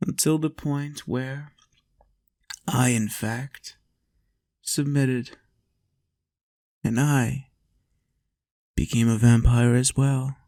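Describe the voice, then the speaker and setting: A lonely vampire lord, acted by a man speaks in an intimate, soothing monologue. His pace is very unhurried and his tone coaxing and playful, recorded close and dry. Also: mid-range voice, steady tone, warm tone, no room sound. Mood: reminiscing, wry. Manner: soothing, unhurried, lapses into whispers and chuckles. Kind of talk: intimate roleplay monologue to the listener.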